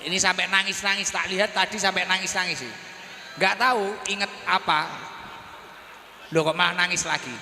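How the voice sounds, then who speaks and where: A man, a preacher chatting with his audience and teasing them with quick questions on a handheld mic. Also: high-pitched, steady tone, vocal fry, sharp tone. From East Java, Indonesia. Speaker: preacher hosting a gathering. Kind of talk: casual chat with audience members. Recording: roomy hall reverb with faint noise.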